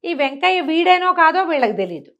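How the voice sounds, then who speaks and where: A woman's voice: extremely high pitch, sing-song, a little fast, a bit bright, muffled recording. A woman storyteller telling a folk tale in a chatty, colloquial, conversational way, acting out the characters' remarks. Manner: chatty, colloquial, acts out villagers' quoted remarks.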